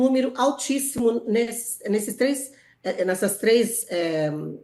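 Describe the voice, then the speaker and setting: Using an ordinary speaking voice, a woman with fairly high pitch talks at a fairly slow pace with lively intonation. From interior of Paraná, Brazil. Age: 60s. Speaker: HR company founder. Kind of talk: interview.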